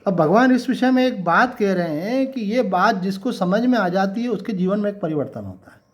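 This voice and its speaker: A man giving a conversational devotional sermon, asking his listeners rhetorical questions and reciting couplets slowly. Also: sits high, animated. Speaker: swami giving a Gita discourse.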